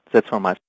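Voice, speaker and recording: Gravelly low man asking questions, dry sound. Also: dry recording, poor audio. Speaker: financial analyst, caller. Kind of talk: asking questions on a conference call.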